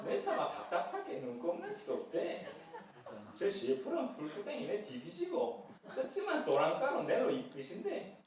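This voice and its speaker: A man voicing a rustic countryman with a Gyeongsang dialect, reciting slowly and emphatically. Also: high voice, darkish tone. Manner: slow, emphatic, laughing through it. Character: gruff rustic southeastern man reciting a psalm. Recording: echoey church hall from far off.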